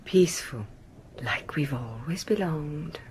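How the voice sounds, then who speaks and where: Anxious obsessive wife, slow delivery, very animated pitch, dramatic radio horror, faint noise. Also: female voice. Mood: dreamy, haunted. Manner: intense, dramatic, lapsing into whispers. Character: anxious, obsessive wife gripped by morbid fixation. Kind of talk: radio horror play acting. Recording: noisy 1980s radio drama recording.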